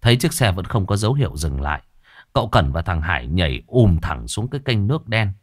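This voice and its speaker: Animated male storyteller. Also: sits low, a little fast, no room sound, studio quality. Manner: expressive, animated. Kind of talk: scripted story narration.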